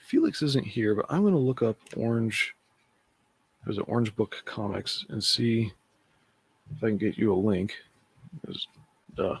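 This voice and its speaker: Pausing long and often, a man speaks at a moderate pace in a dry, close sound with no echo. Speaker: comic book streamer. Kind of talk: live stream chat. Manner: low-energy.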